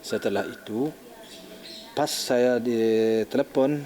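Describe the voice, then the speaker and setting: Older man, interviewee, halting, shaken, restarts often, middle pitch. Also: warm tone. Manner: halting, restarting, acting out phone calls. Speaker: interviewee, bereaved father. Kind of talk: recounting events in an interview.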